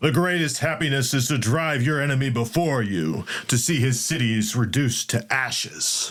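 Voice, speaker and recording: A man uses a put-on character voice at medium pitch. He moves at a moderate pace with hardly any pauses. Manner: commanding, grandiose.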